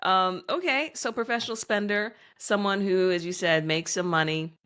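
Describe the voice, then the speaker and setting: A woman's voice: medium pitch, moderate pace, fairly bright tone. A woman hosting a podcast interview, chatty and self-deprecating, often recapping her guest's answers. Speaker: podcast host. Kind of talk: podcast interview, casual chat.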